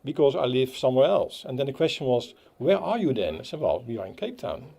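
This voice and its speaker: A man with a Dutch accent giving a halting speech at a playground opening, with many fillers and restarts. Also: mid-range voice, very animated, creaky, mellow. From Netherlands. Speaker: Rotary club speaker. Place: outdoor playground.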